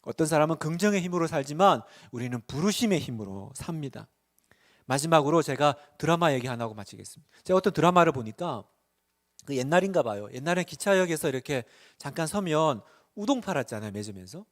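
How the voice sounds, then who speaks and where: Male pastor, middle-aged, high voice, swooping lively delivery, sermon with rhetorical questions. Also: fast. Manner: animated, rhetorical questions to the congregation; acts out voices in stories.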